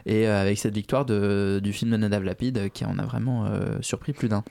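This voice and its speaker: A man presenting film news on a radio show in casual chat, hesitant and full of fillers and self-corrections, gently self-mocking. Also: fairly low pitch, steady tone, a little fast, gravelly.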